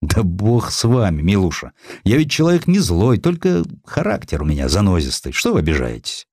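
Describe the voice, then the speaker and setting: A grumpy old general turned editor, acted out by a male narrator, speaks in a querulous, old-fashioned way. His pitch swings widely as he grumbles, and the sound is dry and close. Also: huge pitch swings, moderate pace, a little mellow, no room sound, exaggerated voice. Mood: peevish, conciliatory. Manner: querulous, plaintive, old-fashioned colloquial speech. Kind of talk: audiobook character acting.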